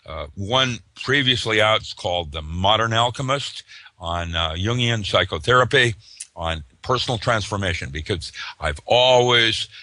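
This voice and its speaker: An older man gives a loose, wandering interview answer. His voice sits low but has a forceful, bright edge, and it sounds close and dry. He keeps stalling on "uh" and restarting his sentences. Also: no echo. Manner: rambling, with many "uh" fillers and restarts. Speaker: interview guest, author and physicist. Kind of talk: casual interview talk.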